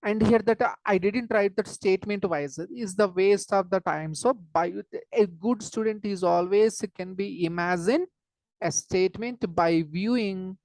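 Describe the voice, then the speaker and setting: A woman's voice: mid-range voice, unhurried, darkish tone, no echo, rough recording. A woman with a South Asian accent teaching informally as a chemistry teacher, explaining step by step, repeating phrases and checking understanding with short questions.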